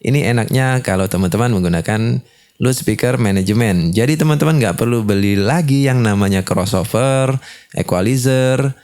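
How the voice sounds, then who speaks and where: A man with a mid-range, darkish voice talks at a moderate pace while walking through a step-by-step instructional demonstration. He explains each stage and frequently tacks on short confirming tags.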